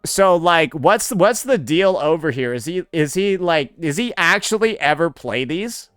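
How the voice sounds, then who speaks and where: A sarcastic, profane male streamer picks apart a video in a clear, resonant voice that sits fairly high. The sound is dry and close on the mic. Faint music plays underneath. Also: animated, measured pace, a bit bright, no echo. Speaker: commentary streamer. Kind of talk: reaction commentary.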